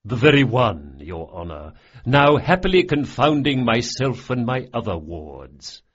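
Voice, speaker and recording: A narrator voicing a wily middle-aged priest who runs a gang of young thieves, speaking deferentially, husky, on a dull lo-fi recording. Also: male voice, medium pitch, sing-song, measured pace, fairly bright tone, heavily acted. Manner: deferential, sly.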